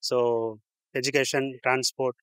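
A man's voice: medium pitch, completely flat delivery, measured pace, fairly bright tone, clear, resonant tone, no room sound. A middle-aged man on his way home from work, answering a street interviewer in short, listed points. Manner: listing points in short phrases. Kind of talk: street vox pop answers. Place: covered footbridge outdoors. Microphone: handheld interviewer mic.

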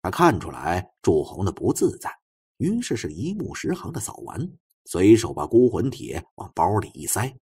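A man narrates a suspense audiobook in a low, husky voice. His delivery is expressive and lively, with pitch that moves widely. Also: normal speed.

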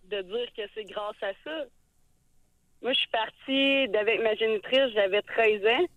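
Woman on a tinny phone line. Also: a little high. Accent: Québécois French. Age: 30s. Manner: hesitant, many filler pauses. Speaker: radio caller. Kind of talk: call-in talk. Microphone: telephone.

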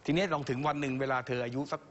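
A man's voice: mid-range voice, steady tone, rapid-fire. A man giving chatty, teasing feedback to young singers as their vocal coach, now and then mimicking how they sing. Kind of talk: casual critique talk. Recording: dull audio in a long-reverb hall.

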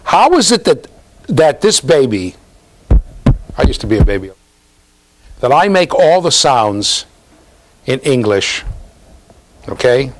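A man's voice: medium pitch, slow pace, pauses often, a little hiss or hum. A middle-aged man giving an interactive university lecture, quizzing his students as he talks. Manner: questioning students, lively, gestures while talking. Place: office with bookshelves, linked to a classroom.

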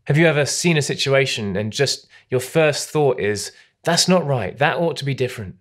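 A man with a British accent preaching an online church sermon in an earnest, measured way, slowing down on key phrases. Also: mid-range voice, lively intonation. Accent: British English. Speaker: pastor.

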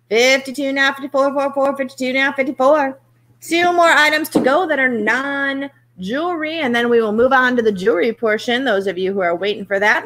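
Middle-aged woman, live auction host, quick rhythmic bid patter, slightly high voice, webcam at a desk. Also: a bit bright. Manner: brisk rhythmic bid calling. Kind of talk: live online auction calling. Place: home room, indoors.

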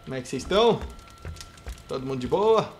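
A man with a Brazilian Portuguese accent commenting on his gameplay, playful and trash-talking, bursting into excited shouts. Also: medium pitch, fast talker, a little hiss or hum. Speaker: gameplay youtuber.

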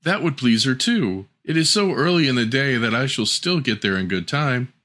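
A man voicing a sweet, trusting little girl in a storybook reading, pitching his voice high and gentle. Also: expressive, normal speed. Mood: innocent. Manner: high, wide-eyed, gentle.

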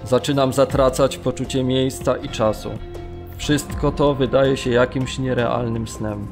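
A man's voice: medium pitch, fairly even intonation, unhurried, close to an everyday voice. Actor as harrowed male camp prisoner, music behind. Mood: grim, harrowed. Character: male camp prisoner recounting his brutal ordeal. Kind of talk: dramatised documentary narration of survivor testimony.

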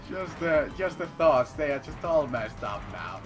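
A man who is not a native English speaker, commentating his gameplay in a rambling, playful way. He repeats phrases and bursts into loud declarations. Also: a little high. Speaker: let's play commentator.

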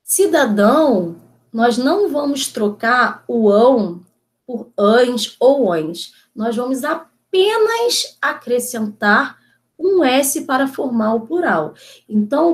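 A woman teacher giving a video lesson, explaining step by step in a slow, patient way and often checking that her students follow. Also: on the high side.

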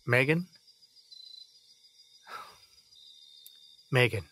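A flustered, protective father in an audio drama. He stumbles and doubles back over his words, exasperated but caring, in a mid-pitched voice. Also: expressive, brisk, bright, forceful tone, slight background noise. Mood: gentle, awkward. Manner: stammering, repeats himself. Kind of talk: naturalistic audio drama acting.

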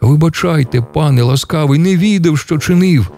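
A man doing a clumsy sandpiper bird, high voice. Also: moderate pace, warm tone, soft background music, close to an everyday voice. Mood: apologetic. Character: clumsy, hot-tempered little sandpiper bird.

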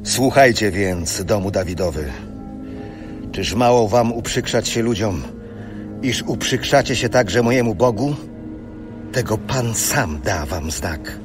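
Stern old-testament prophet, measured slow delivery, lowish pitch, biblical audio drama, music underneath. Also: male voice, lively intonation. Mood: stern, prophetic. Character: stern Hebrew prophet rebuking a royal house.

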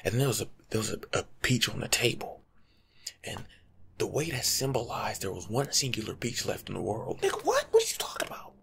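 Husky, half-whispering young American man. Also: on the low side, a little fast. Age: young adult. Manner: slangy, teasing lecturing, animated. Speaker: ASMR creator playing a life coach. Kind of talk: soft-spoken ASMR, casual advice monologue. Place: small home room, seated indoors.

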